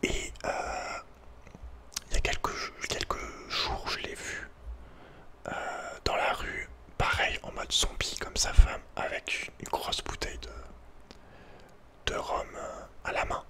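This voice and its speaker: A man whispering in a breathy, unvoiced voice, chatting informally and hesitantly in ASMR style. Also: takes it slowly, sharp tone. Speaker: ASMR video creator. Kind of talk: whispered ASMR, casual rambling chat.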